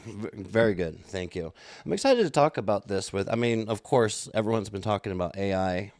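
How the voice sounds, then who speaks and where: A man's voice: on the low side, expressive, a little fast, a little mellow, no echo, studio quality. A man hosting a live streamed industry talk show, upbeat as he runs through plugs and introduces his guest over a video call. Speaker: host.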